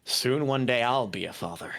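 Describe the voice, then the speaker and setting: A man voicing an excitable, silly high-pitched oddball with a squeaky, strained voice in an improvised comedy dub. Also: normal speed, gravelly, slight background noise. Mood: manic, chatty.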